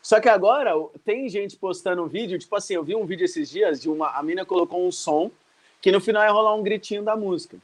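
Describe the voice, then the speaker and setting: A man, co-hosting a casual podcast and telling stories in rapid slangy chat. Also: sits high. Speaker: podcast co-host.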